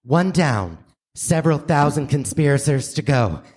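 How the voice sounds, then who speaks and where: Animated man in a radio comedy. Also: on the high side, measured pace. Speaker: comedy performer. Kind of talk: staged comic radio-play acting.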